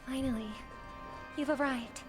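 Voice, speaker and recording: An actress playing a gentle, sincere singer with a strong will in a video game. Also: female voice, high-pitched, steady tone, measured pace, music in the background. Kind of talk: scripted game dialogue.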